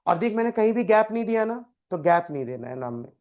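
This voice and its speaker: A man's voice: high voice, sing-song, fast talker, darkish tone. Male teacher quizzing students. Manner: quizzes students by name, repeats key terms. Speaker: chemistry teacher. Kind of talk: live classroom tutoring.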